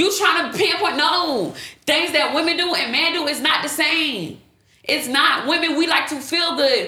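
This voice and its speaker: An extremely high-pitched woman's raised, projected voice, animated in tone, at a moderate pace with ordinary pitch variation. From Florida. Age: 20s. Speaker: podcast host. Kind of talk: casual chat. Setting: studio.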